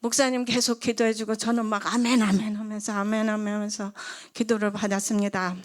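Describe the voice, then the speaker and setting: A woman's voice: medium pitch, level tone, fairly quick. A middle-aged woman giving an emotional healing testimony at church, re-enacting conversations in a tumbling rush.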